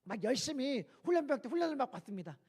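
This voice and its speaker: A male pastor preaching a sermon in a church, telling stories in an animated way. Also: extremely high pitch, fast, husky. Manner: animated storytelling, acting out quoted voices. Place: church sanctuary.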